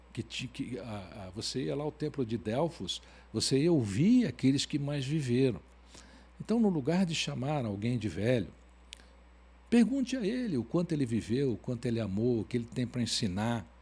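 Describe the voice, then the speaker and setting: A man of medium pitch talks at a moderate pace with lively intonation. His tone is dark and mellow, and somewhat breathy. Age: 60s. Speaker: author and speaker. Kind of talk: podcast interview.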